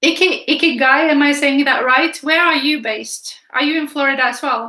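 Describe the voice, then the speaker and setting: A woman's raised, projected voice sits at a high pitch. Her tone is bright and sharp, and her pace is moderate. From Finland. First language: Swedish. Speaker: artist. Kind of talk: live stream chat. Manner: casual.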